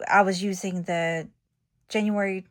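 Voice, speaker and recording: A middle-aged woman hosting a casual jewelry-making tutorial, chatty and quick to correct herself. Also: medium pitch, steady tone, background noise. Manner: chatty, self-correcting, laughs at her slips. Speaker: jewelry-making channel host.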